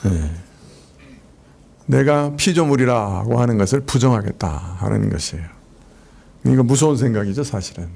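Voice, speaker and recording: A man delivers a Sunday sermon from the pulpit of a church. He preaches in a relaxed, conversational way and lets the ends of his phrases fall away quietly. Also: medium pitch, vocal fry. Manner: conversational preaching with soft laughs and drawn-out endings. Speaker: pastor. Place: church sanctuary.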